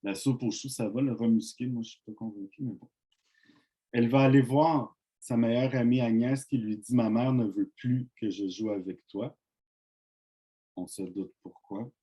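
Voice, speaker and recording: Man, mellow and husky, relaxed book presenter. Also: medium pitch. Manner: relaxed, conversational, reads passages aloud slowly. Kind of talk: presentation with read-aloud.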